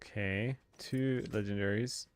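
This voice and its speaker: A young adult man from Sweden, talking through a live game stream in a relaxed, halting way. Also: lowish voice, smooth. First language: Swedish. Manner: relaxed, halting, frequent uh and restarts. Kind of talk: live stream commentary while gaming.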